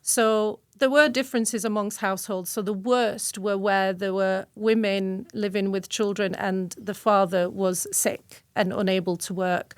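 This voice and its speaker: A woman's voice: mid-range voice, fairly even intonation, measured pace, hardly any pauses, clear, resonant tone, no echo. A woman originally from Syria, speaking earnestly and reflectively as a guest on an interview podcast, often restarting her sentences. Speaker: guest researcher.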